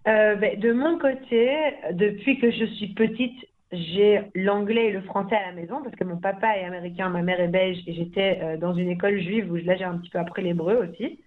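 A woman's voice: medium pitch, steady tone, fairly quick, slight background noise. Chatty woman over a phone line. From Belgium. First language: French. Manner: chatty, many fillers and restarts, laughs easily. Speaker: language school founder. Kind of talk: casual interview talk. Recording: phone-like narrow sound.

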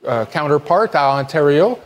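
A man's voice: a little high, expressive, normal speed. A man answering as a paramedic representative, hesitant and mixing in English terms. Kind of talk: radio interview answers.

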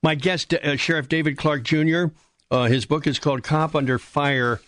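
A man's voice: fairly high pitch, fairly even intonation, moderate pace, a bit bright, dry recording. A man hosting a radio interview, asking brief, direct questions with short fillers. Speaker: radio host.

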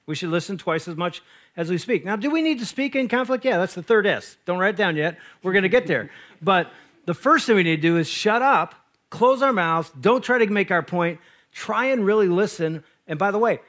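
A middle-aged pastor and marriage speaker telling stories to an audience, joking and acting out both sides of a quarrel. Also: male voice, high-pitched, fairly quick. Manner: animated, jokey, acts out both sides of quarrels. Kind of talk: lively storytelling talk to an audience.

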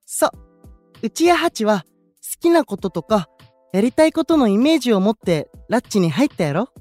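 Gentle young male idol, Kansai accent, high and animated delivery, considerate, candid audio drama role. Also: moderate pace, no echo, soft background music. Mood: earnest, caring. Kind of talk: anime-style audio drama acting.

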